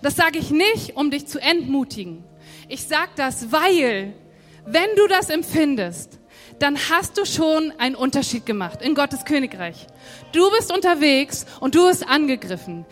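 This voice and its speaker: Brief: high-pitched woman preacher, chatty sermon, long hall echo. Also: big pitch swings, unhurried. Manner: conversational, addresses the congregation directly. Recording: long hall reverb, faint music.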